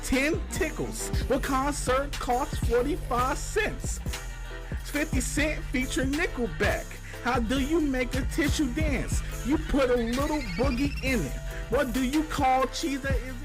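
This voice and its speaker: A man's voice: very high-pitched, measured pace. A man in casual, joking video clips. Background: music.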